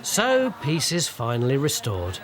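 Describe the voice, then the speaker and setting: A man's voice: medium pitch, huge pitch swings, measured pace, noisy background. A man reading scripted documentary narration as the narrator.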